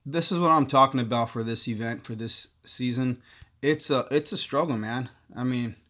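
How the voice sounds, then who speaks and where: A man's voice: mid-range voice, moderate pace, pushed and bright. Guy streaming a mobile game, rambly, lots of uhs, mid voice. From partly Korean heritage. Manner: chatty, thinks aloud, many uh fillers. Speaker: livestream host. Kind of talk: casual gaming livestream chat.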